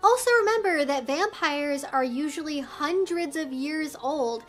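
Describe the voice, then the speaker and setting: High-pitched woman presenting an educational video. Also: lively intonation, measured pace, a bit bright, soft background music. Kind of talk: explanatory educational video talk to camera.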